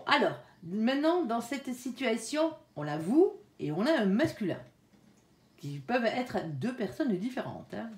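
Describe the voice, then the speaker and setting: A woman giving a casual tarot reading, talking chattily to her viewers and filling her speech with little interjections. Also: mid-range voice. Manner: chatty, peppers speech with "hein" and "alors"; softly pleads with her guardian angel between cards. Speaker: tarot card reader. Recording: echoey room.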